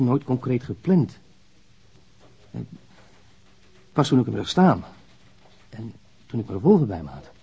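A working-class killer making his confession in a radio play, on a dull, lo-fi recording. The voice is low and gravelly. He is halting yet frank and matter-of-fact. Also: dark tone, exaggerated voice. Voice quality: gravelly, husky. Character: subdued working-class man confessing to a killing. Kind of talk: naturalistic radio drama acting. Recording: dull, muffled lo-fi sound.

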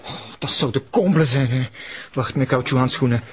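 An actor playing an excitable, indignant jeweller in a radio drama, speaking Flemish Dutch mixed with bursts of French. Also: male voice, medium pitch, fairly quick, a little hiss or hum, natural voice. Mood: distraught. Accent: Flemish, sprinkled with French.

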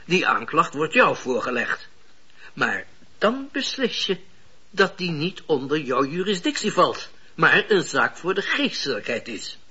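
An old judge in a radio drama, high and husky in voice. He is shrewd, cynical and scornful, lecturing deliberately with swooping intonation. The recording is rather dull. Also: very animated, pushed and bright, exaggerated voice. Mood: calculating. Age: older. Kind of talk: radio play acting.

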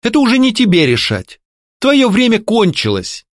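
A man voicing a sharp-tongued young lady. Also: fairly high pitch, very animated, moderate pace, dry recording, studio quality, voice pushed up. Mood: stern. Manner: mocking, scolding, ironic. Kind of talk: audiobook character voicing.

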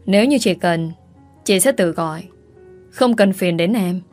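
A woman's voice: on the low side, unhurried, a little mellow, faint music behind, close to an everyday voice. A woman voicing an injured, weary young wife in a spoken story. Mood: curt. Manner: curt, weary.

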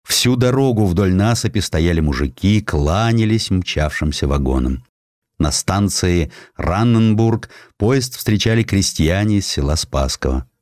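A man reading a historical sketch as an audiobook narrator, in an expressive, dramatized storytelling manner. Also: low-pitched, a little slow, no echo, studio quality. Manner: expressive storytelling, voicing quotations.

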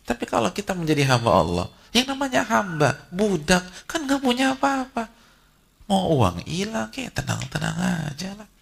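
A man preaching a sermon to women, animated and conversational. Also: high-pitched, moderate pace, gravelly, husky. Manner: animated, conversational, acts out short quoted voices. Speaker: Islamic preacher.

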